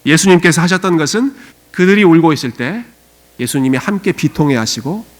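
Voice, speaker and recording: A man preaches from the pulpit in a fairly high voice with a slow, steady delivery. He leans on soft fillers between phrases and swells to loud, pleading cries when he acts out mourners. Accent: Korean (US immigrant church). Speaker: pastor. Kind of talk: sermon. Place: church sanctuary.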